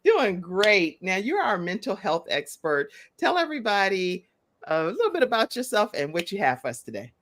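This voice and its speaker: A woman's voice: mid-range voice, sing-song, normal speed, a bit bright, dry recording. A woman hosting a casual talk show, reading out comments with affirming, teasing exclamations. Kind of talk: casual panel chat, reading viewer comments aloud.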